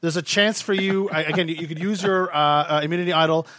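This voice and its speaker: A man's voice: a little high, steady tone, fast, a bit bright, no room sound. A man co-hosting a podcast, running a quiz game in a playful, hyping way with many fillers. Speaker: podcast co-host, quiz master. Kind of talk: casual chat.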